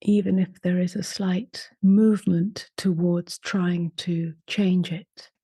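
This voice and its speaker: A woman leading a guided meditation in a soft, unhurried voice that often drops to a half-whisper. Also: fairly low pitch, steady tone, breathy edge, no room sound, studio quality. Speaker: meditation teacher.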